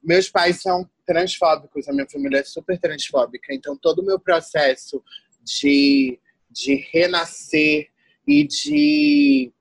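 A young adult woman from Salvador, Bahia, a tired guest artist talking in an animated, slangy way full of restarts. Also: low voice, a little slow, gravelly, breathy edge, no room sound, low-quality recording. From Salvador, Bahia, Brazil. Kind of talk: casual conversation.

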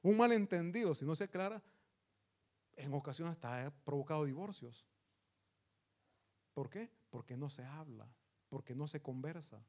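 Male preacher, earnest and emphatic sermon delivery, voice sitting a bit high. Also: expressive, moderate pace, pauses often, a little mellow. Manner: earnest and emphatic, addresses listeners as brothers.

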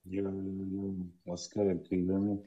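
A man calling into a talk show, with a deep voice and a loose, rambling way of talking full of fillers. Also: monotone, moderate pace. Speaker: caller. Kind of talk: casual call-in chat. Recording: dull low-fidelity call audio.

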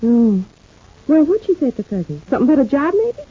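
A woman's voice: sits high, very animated, fast talker. A woman acting a fretful, devoted working-class housewife in an old-time radio serial, with a folksy, emphatic delivery. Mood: puzzled curiosity. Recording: thin, phone-like old radio recording.

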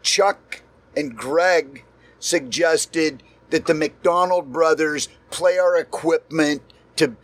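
An older man telling stories in a relaxed chat after a show, slow and halting. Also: on the high side, no echo. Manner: slow, halting, restarts often. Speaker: guest musician. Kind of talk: casual storytelling. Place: noisy room after a show.

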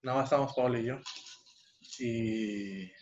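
His high, sing-song voice carries vocal fry and a little mellowness at a moderate pace. The young man co-hosts a podcast and tells a personal story casually, rambling with restarts and fillers, on a dull lo-fi recording.

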